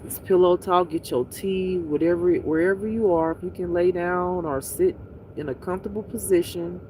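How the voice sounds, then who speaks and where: A livestream host talking in a soothing, unhurried, intimate pillow-talk way, repeating gentle instructions to relax. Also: mid-range voice, fairly even intonation, a little hiss or hum, rough recording.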